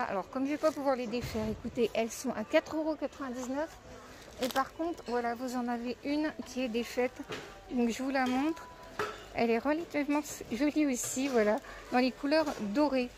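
Woman, high voice, chatty shopping vlog, enthusiastic, fillers, noisy store background. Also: normal speed. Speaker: shopping vlogger. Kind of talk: casual store haul walkthrough. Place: in a discount store.

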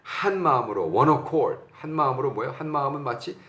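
A middle-aged man from Korea preaching a sermon with emphatic bursts, shouting lines and acting out quotes. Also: mid-range voice, lively intonation, moderate pace, echoey room. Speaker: pastor.

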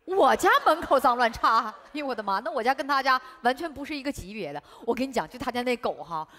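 A woman's voice: high voice, lively intonation, fast talker. A woman playing a brash, chatty neighbour in a sitcom sketch. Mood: indignant. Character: feisty gossiping neighbour woman. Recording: loud studio audience laughter.

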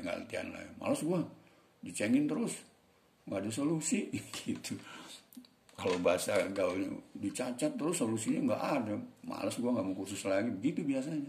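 A man teaching English in a chatty, encouraging way, sometimes reading English lines slowly and deliberately. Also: lowish voice, gravelly, a little mellow, reverberant. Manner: chatty, encouraging, colloquial Jakarta slang. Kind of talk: casual spoken English lesson.

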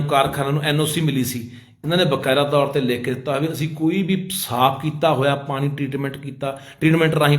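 Impassioned man with a Punjabi accent. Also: medium pitch. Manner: pleading, emotional, addresses listeners as brother. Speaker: activist. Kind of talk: impassioned public appeal.

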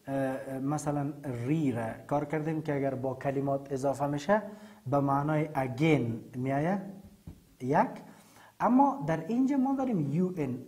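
A woman with an Afghan accent teaching an English vocabulary lesson, saying the English words slowly and clearly, then explaining them more quickly in Dari. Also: deep voice, dark tone. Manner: switches between slow, drawn-out English and quick Dari explanation.

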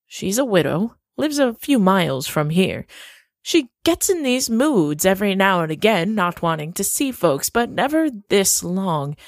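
An actress playing a gracious, slightly secretive woman host in an audio drama, speaking slowly and courteously. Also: medium pitch, big pitch swings, no room sound, studio quality.

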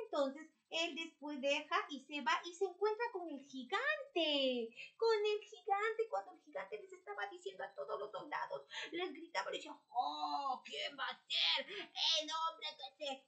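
A woman's voice: on the high side, sharp tone. A woman preschool teacher telling a story to young children and giving them homework, with a sing-song manner and coaxing questions. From Peru.

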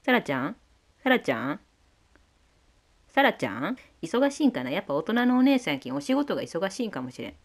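A woman with a Kansai accent giving playful, excitable let's play commentary. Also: mid-range voice, a little fast, pauses often, slightly rough. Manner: playful, excitable, shouts at the screen. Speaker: game commentator.

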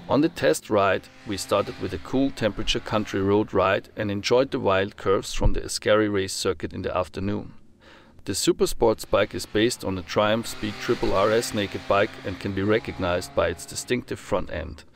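A man reading a scripted motorcycle review as voice-over, in a steady, formal manner. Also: fairly low pitch, vocal fry. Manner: steady, formal read-through of technical details.

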